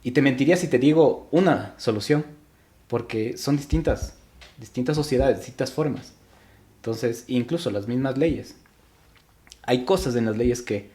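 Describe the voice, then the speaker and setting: A man's voice: mid-range voice, moderate pace, pauses often, dark tone. A young man from Ecuador, a podcast guest, talking reflectively in casual interview chat with frequent restarts.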